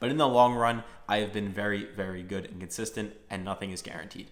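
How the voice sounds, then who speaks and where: Animated in tone, a man with a fairly low pitch speaks at a fairly quick pace with ordinary pitch variation. Audible room echo can be heard. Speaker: sports betting picks youtuber. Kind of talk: sports betting tutorial. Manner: fast.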